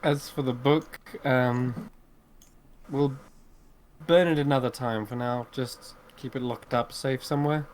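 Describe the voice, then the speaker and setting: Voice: medium pitch, steady tone, unhurried, a little mellow, a little hiss or hum. A player in a tabletop game, talking casually and conversationally.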